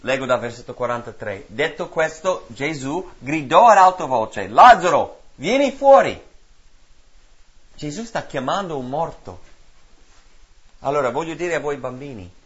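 Male preacher, sermon, mid-pitched voice, rhythmic repetition, sudden hushed drops, dull lo-fi recording. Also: expressive, moderate pace. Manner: swings between loud emphatic lines and soft, hushed drops.

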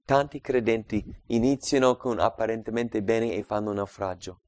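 A man preaching a Bible study, reading scripture aloud and explaining it, swinging between loud emphatic passages and quiet asides. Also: lowish voice, normal speed. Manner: reads scripture aloud and explains it, calling out verse numbers.

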